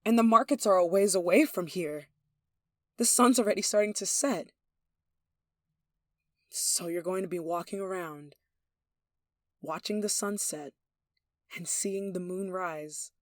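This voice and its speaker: A woman's voice: fairly low pitch, a little slow, pauses often, darkish tone, dry recording, natural voice. A woman acts out a domineering young noblewoman in an intimate audio roleplay. She is haughty, jealous and possessive, handing down clipped commands as someone used to being obeyed. The recording is dry and close, with no room sound. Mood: hurt, quiet. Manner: imperious, indignant, sighing, clipped commands. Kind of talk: yandere ASMR roleplay acting.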